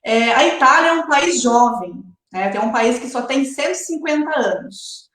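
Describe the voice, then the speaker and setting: A woman's voice: high voice, expressive, moderate pace, a bit bright, roomy sound, slight background noise. A woman hosting a live online interview series, chatty and often adding tag questions. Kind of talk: casual live-stream hosting.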